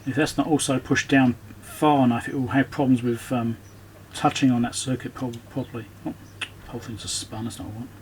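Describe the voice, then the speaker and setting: A man with a mid-range voice talks casually through hands-on repair work. He thinks out loud, often muttering to himself as he goes. Clear background noise sits behind his voice. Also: medium pitch, steady tone, brisk, hardly any pauses, rough recording. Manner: muttering to himself while working, thinking aloud. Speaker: electronics repairer presenting own repair video.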